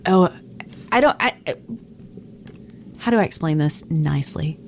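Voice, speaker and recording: A woman with a slightly low voice tells stories in a casual, conversational way. She acts out the exchanges she remembers, like a podcast co-host swapping work stories. Faint noise sits behind her. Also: lively intonation, unhurried. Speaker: radio personality and podcast co-host.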